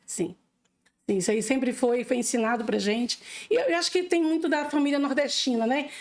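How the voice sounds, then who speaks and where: A woman's voice: high-pitched, brisk. A middle-aged woman from Bahia, raised in Minas Gerais, with a Brazilian accent, talking earnestly as a guest in a casual interview. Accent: Brazilian Portuguese. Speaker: political candidate, interview guest.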